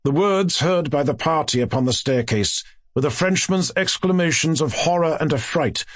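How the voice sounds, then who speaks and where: A man narrating classic literary fiction as a scripted audiobook, with a formal, measured delivery. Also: on the high side, dry recording, studio quality.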